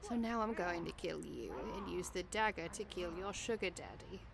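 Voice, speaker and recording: A woman's voice: lowish voice, expressive, normal speed, creaky, crowd noise. A woman playing a defiant, scheming vampire in an audio drama, with a dry, taunting manner. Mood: cold defiance. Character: defiant, sardonic female vampire, scheming daughter.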